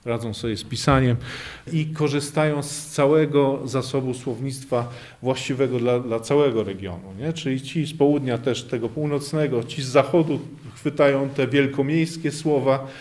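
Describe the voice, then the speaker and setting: A man's voice: medium pitch, normal speed, a little mellow. A man, a poet and language activist, explaining things at length in an interview, with frequent hesitation fillers along the way.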